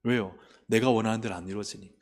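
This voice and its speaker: The speaker is a male pastor preaching a sermon, his voice on the low side, fast and darkish, with fairly even intonation. He often questions the congregation and raises his voice to act out complaining prayers. It's recorded in a church sanctuary with the long reverb of a church hall.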